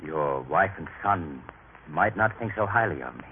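An actor playing a kind, humble Samaritan traveler in an earnest, measured old radio drama style. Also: male voice, extremely low pitch, lively intonation. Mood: grave, reserved. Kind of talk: old-time religious radio drama acting. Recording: tinny, noisy vintage radio recording.

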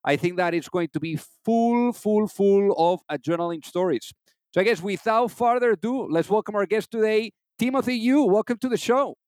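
A man's voice: high voice, moderate pace, darkish tone, dry recording. A man hosting an interview podcast, chatty and informal, with plenty of "you know" fillers. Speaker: podcast host.

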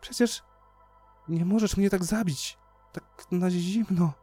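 A man's voice: high-pitched, slow pace, slightly rough, faint music behind, voice pushed up, heavily acted. A man voicing a frightened male spaceship crewman who pleads and panics, in an audiobook reading. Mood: pleading. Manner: pleading, rising to panicked shouts.

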